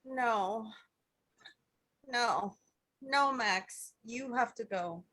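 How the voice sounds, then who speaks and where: An actress plays a dying mother figure in a horror script. She speaks slowly and deliberately in a high voice, tender yet insistent. She stays calm and resolute. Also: heavily acted, rough recording. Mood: tender resignation. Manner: slow, deliberate, gently insistent. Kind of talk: table read acting of a horror film script.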